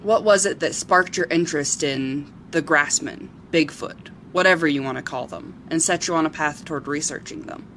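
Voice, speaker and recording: Woman acting as friendly news reporter, low voice, chatty, curious, radio play, light background noise. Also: moderate pace, few pauses, a bit bright. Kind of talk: amateur radio drama dialogue.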